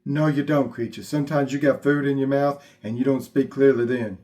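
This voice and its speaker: A man's voice: mid-range voice, steady tone, fairly quick, a little mellow, close to an everyday voice. A man voicing a mild, helpful, slightly dopey monkey puppet with a Southern US accent. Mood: earnest.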